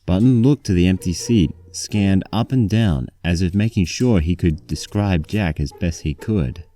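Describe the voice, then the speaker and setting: A man's voice: low voice, a little slow, mellow. A man reading a scripted story aloud as its narrator.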